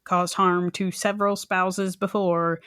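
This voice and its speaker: A woman's voice: lowish voice, level tone, measured pace, fairly bright tone, clear, resonant tone, no room sound, clean studio sound. A woman co-hosting a true crime podcast, chatting casually and jokingly, with little asides in acted voices. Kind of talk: casual banter about a crime case.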